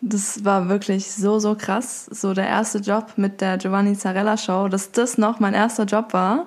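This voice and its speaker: Medium-pitched female voice at a fairly slow pace, monotone and flat, with very even loudness. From Stuttgart, southwest Germany. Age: young. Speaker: professional dancer. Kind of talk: casual chat.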